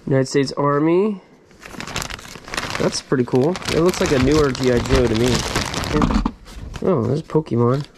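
A middle-aged man, a storage unit reseller, chatting casually through an unboxing, bursting into excited exclamations over his finds, recorded on a head-mounted camera in a storage unit. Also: medium pitch, a little slow, long pauses, heavy background noise. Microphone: head-mounted action camera.

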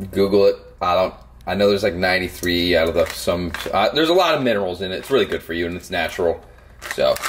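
A man's voice: sits low, slight background noise. A young man in his twenties talking casually in a slangy, laid-back way for a day-in-the-life vlog, his voice groggy from just waking up. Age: 20s. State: groggy morning voice. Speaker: vlogger.

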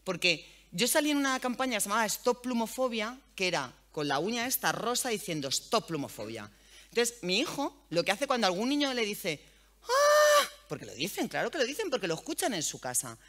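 A woman speaks to a hall audience in a candid, slangy way. Her tone is bright and her pitch leaps about with energy. She talks like a seasoned radio host. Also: brisk. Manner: frank, colloquial and animated, swears freely. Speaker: journalist and radio host giving a talk. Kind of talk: lively public talk to an audience. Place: event hall.

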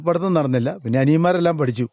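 Man talking fast in a dark, muffled voice. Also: fairly high pitch, no room sound. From Kerala, India. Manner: plain-spoken, searches for words with pauses. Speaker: farmer being interviewed. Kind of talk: casual conversational interview. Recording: dull lo-fi radio recording.

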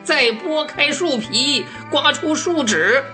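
A woman acts out a lively animal friend in a children's radio drama. The voice is high and very animated, exclaiming at an unhurried pace. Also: over music. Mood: eager.

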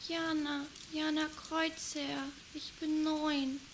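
A woman's voice: high-pitched, flat delivery, takes it slowly. A woman voicing a frightened, tired nine-year-old girl lost in the street, speaking timidly and pleading. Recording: rain noise behind.

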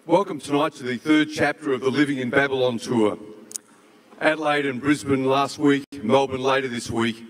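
A man in his sixties addresses an auditorium through a handheld microphone, with long hall reverb. His delivery is formal and measured, with solemn, deliberate phrasing and a medium pitch. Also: fairly even intonation. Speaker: event host. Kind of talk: formal stage introduction and prayer. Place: large auditorium stage.

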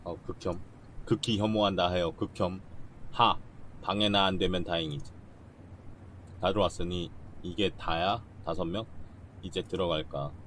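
A male game streamer chatting casually, reading dialogue aloud and reacting quickly while bantering with viewers. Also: deep voice, fairly even intonation, a bit bright, a little hiss or hum.

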